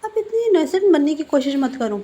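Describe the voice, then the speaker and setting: A woman's voice: sits high, lively intonation, a little fast, dark tone, lo-fi sound, pitched above the performer's own voice. A woman voicing a sulky, jealous young man who turns possessive, reading his lines in a petulant, teasing way in a fan-fiction story.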